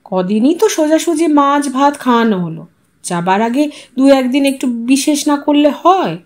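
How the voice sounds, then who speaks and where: A woman's voice: sits high, lively intonation, normal speed, a little mellow. A woman voicing an anxious, proud, tearful housewife with a pleading, protesting manner in a dramatised audio story.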